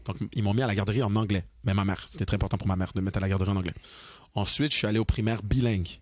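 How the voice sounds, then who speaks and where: A young man with a Québécois French accent, co-hosting a podcast in casual, animated chat, mixing in English and slang. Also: on the low side, rapid-fire, no echo. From Quebec, Canada. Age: young adult. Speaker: podcast co-host.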